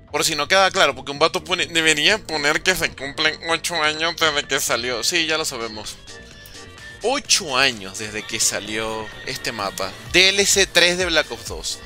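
A young man streaming a game, chatting casually with viewers and calling out their names in an excitable, slangy way. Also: fairly high pitch. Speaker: gaming livestreamer. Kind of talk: casual livestream chat while playing, reading chat aloud.

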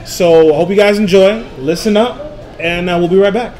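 A host running a casual interview, upbeat and prodding, often repeating "all right.". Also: female voice, medium pitch, normal speed, dark tone. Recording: faint music in the background.

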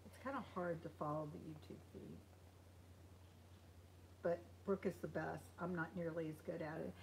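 A woman's voice: low-pitched, steady tone, moderate pace, gravelly, background noise. A woman in her sixties chatting casually on a live stream while hand sewing at a table in a small sewing room, with frequent ums and restarts.

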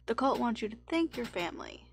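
A woman's voice: a little high, sing-song, a little fast, a little hiss or hum. A woman giving casual gameplay commentary, muttering offhand remarks to herself as she plays. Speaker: video game player.

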